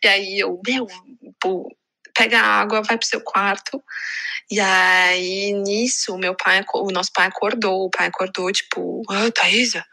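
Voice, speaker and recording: A young woman telling a story in casual chat, acting out the voices of the people in it and dropping to a hush. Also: mid-range voice, steady tone, a little slow. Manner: acts out quoted voices, drops to hushed tones. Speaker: podcast co-host telling a story.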